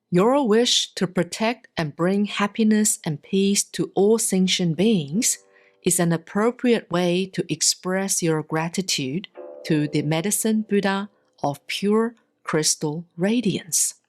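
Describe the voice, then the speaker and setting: A woman reads Buddhist scripture as a monastic, in a solemn, measured and deliberate scripted style with pauses between phrases. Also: fairly low pitch. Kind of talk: solemn scripted sutra recitation, audiobook-like reading. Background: soft plucked guitar-like music.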